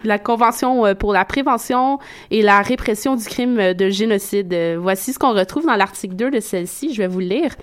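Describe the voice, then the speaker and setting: A woman's voice: mid-range voice, fairly quick. A woman giving a radio segment, explaining facts step by step in a conversational way. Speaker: radio columnist.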